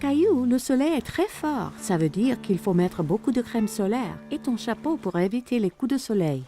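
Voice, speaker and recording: A woman voicing a caring, gently protective mother in a children's cartoon dub. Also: on the high side, sing-song, moderate pace. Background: background music.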